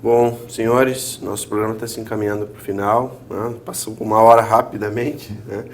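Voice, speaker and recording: A man's voice: on the low side, steady tone, moderate pace. A man hosting a local studio talk show, politely steering the conversation and closing the program with formal thanks. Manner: polite, formal wrap-up, frequent affirmations. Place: legislative TV studio.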